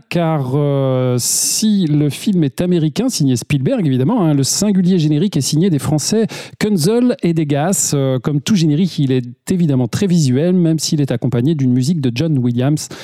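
A man with a mellow, slightly raised voice hosts a radio segment on films. He speaks conversationally, with fillers along the way. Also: fairly high pitch, lively intonation, normal speed, no room sound. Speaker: radio host. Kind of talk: radio film chronicle.

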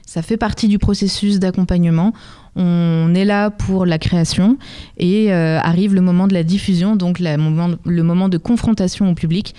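A woman's voice: lowish voice, fairly even intonation, moderate pace, dark tone, clean tone. A woman answering as an interview guest for a music venue, explaining things in a conversational, welcoming way.

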